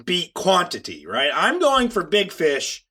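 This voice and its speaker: A man's voice: sits high, wildly swooping pitch, a little slow, bright, forceful tone, breathy edge. A man co-hosting a casual podcast, stuffed up with a cold, speaking in an earnest, upbeat way. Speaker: podcast co-host.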